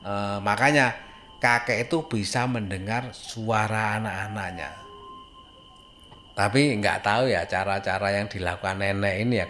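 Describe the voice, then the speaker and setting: A man tells a horror tale at a very slow pace, in a fairly low voice. He talks informally and haltingly, pausing for drama and putting questions to the listener. Background noise and ambience sit behind him. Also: a bit bright. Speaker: horror storyteller. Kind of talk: informal narration of a horror story.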